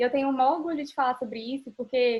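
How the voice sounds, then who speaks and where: This voice belongs to a woman. Her pitch is high. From Northeast Brazil, Teresina (Piauí). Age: 20s. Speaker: recruitment manager. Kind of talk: lecture. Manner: talkative, animated.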